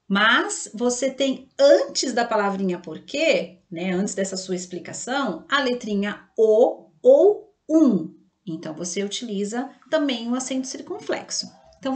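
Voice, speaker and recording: A Brazilian Portuguese-speaking woman teacher giving a slow, patient online grammar lesson to children, often checking in with the class. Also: a little high. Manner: patient, slow and didactic, checking in with "tá bom?" and "certo?". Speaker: primary school teacher.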